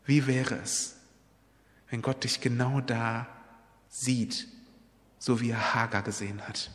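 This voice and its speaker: A man's voice: mid-range voice, steady tone, takes it slowly, a bit bright, in a large hall. A man preaching a sermon, retelling a Bible story in an earnest, personal way and appealing directly to his listeners.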